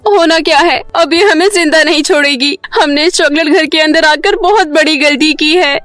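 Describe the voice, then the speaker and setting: A woman's voice: high voice, moderate pace, a bit bright, no room sound, soft background music. A woman voicing an eager, greedy village girl in plain storybook dialogue for a cartoon. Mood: afraid.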